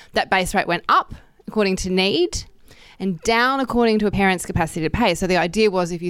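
In a very clean recording with a silent background, a woman with an Australian accent speaks very fast in an enthusiastic tone, her fairly low pitch showing ordinary variation. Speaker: education journalist. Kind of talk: live panel discussion. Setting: stage with audience.

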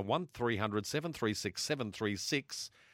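With an Australian accent, a man talks at a fairly low pitch with lively intonation. The sound is dry and close with no echo, in a very clean recording against a silent background. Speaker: sports radio host. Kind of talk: sports talk radio. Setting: studio.

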